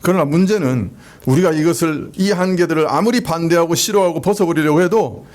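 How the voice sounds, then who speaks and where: A man preaching a Sunday sermon as pastor, in a conversational way, letting phrase endings trail off quietly. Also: a little high. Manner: conversational preaching with soft laughs and drawn-out endings. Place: church sanctuary.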